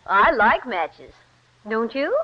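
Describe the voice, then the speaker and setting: A young woman with a higher, very lively voice, teasing and warm with her sweetheart. The vintage radio recording sounds muffled. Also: takes it slowly, exaggerated voice. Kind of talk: 1940s radio acting.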